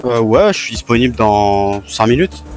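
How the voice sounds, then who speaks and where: A man with a middling pitch plays along in a game roleplay. His answers are short and agreeable, over soft background music. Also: animated, normal speed. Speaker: online roleplay player. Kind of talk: improvised game roleplay dialogue.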